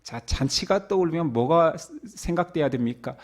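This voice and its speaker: Animated male pastor preaching. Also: on the high side, moderate pace. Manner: animated, rhetorical questioning. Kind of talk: sermon.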